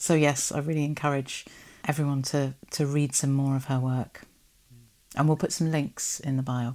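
A woman with a British accent speaks at a very deep, low pitch in a dark, mellow tone, her intonation monotone and flat. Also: moderate pace. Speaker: podcast host and interviewer.

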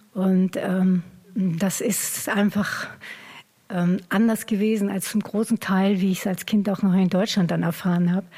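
A woman talks at a medium pitch and a fairly slow pace, her tone dark, mellow and somewhat breathy. Her intonation is monotone and flat, her loudness very even. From East Germany. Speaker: theatre director. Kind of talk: casual chat.

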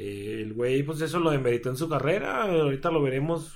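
A man of medium pitch talks at a moderate pace. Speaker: podcast co-host. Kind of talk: casual chat.

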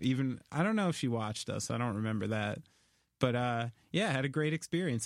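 A man uses an ordinary speaking voice with lively intonation. The recording is very clean, with a silent background. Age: 30s. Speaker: drummer. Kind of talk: casual chat.

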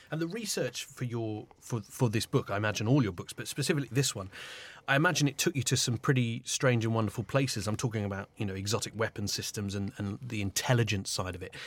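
A somewhat breathy man's voice at a very fast pace, medium pitch with ordinary variation, on a very clean recording with a silent background. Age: 30s. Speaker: podcast host. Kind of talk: casual chat. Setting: studio.

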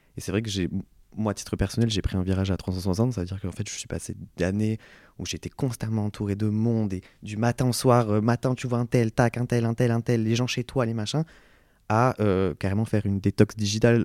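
At a fairly quick pace, an ordinary speaking voice comes through with fairly even intonation, in a very clean recording with a silent background and a dry, close sound with no echo. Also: man, fairly low pitch for a man. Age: 20s. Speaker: friend of host. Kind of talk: casual chat.

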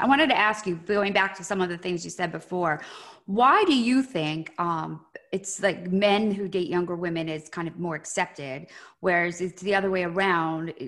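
A woman with an ordinary speaking voice and medium pitch talks at a moderate pace in a very clean recording with a silent background. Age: 40s. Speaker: podcast host. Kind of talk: casual chat.

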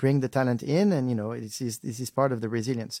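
In a French accent, a man with a medium-pitched voice and a dark, mellow tone talks at a very fast pace with ordinary pitch variation, in a very clean recording with a silent background and a dry, close sound with no echo. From France. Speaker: company CEO. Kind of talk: interview. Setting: in person.

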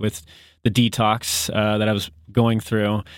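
Using a normal speaking voice, a man talks at a moderate pace and medium pitch. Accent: American. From Montana. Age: 30s. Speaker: personal trainer. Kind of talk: podcast interview.

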